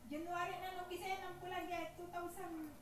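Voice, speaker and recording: A woman in casual conversation, talking in a halting way as if thinking aloud, recorded at a distance in a reverberant room. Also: very high-pitched, level tone, a little hiss or hum. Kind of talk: casual chat about loan payments and charges.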